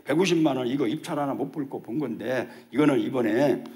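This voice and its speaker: A man's voice: mid-range voice, a little fast, mellow. An older man, a church elder, preaching a testimony sermon at a church service and acting out dialogue as he tells his story.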